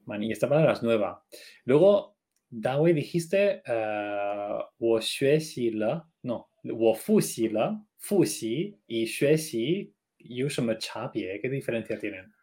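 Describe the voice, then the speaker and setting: A man with a dark, mid-range voice co-hosts a Chinese learning podcast, speaking slowly and animatedly. In casual chat he asks questions and checks that he's understood the lesson.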